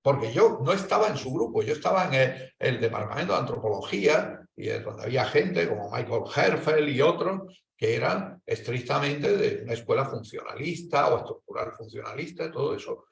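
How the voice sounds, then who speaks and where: Gravelly man debating in an echoey hall. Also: medium pitch, a little fast, hardly any pauses. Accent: Spanish. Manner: discursive, hesitant restarts, animated rises. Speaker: academic panelist. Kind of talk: academic panel debate. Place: lecture hall. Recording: echoey hall, distant mic.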